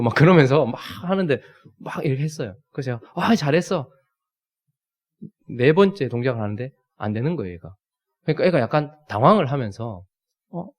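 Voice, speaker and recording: A man's voice: medium pitch, darkish tone. A man, preaching a sermon and telling a family story, acting out the scenes. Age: 30s. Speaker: pastor.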